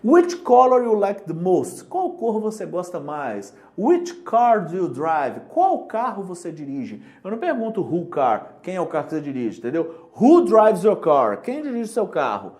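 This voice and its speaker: Brazilian-accented teacher, casual prep lesson, jokey and patient, pitch swinging widely. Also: a little mellow. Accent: Brazilian Portuguese. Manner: chatty, joking, explains slowly with examples. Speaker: English teacher for exam prep.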